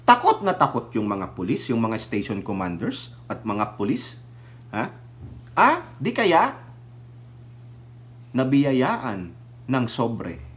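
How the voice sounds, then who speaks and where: On his vlog, a man with a mid-range, slightly bright voice reads and reacts to the news, his pitch swooping wildly as he talks slowly with long pauses. He's sarcastic and mocking, laughs a lot, and speaks straight to his viewers.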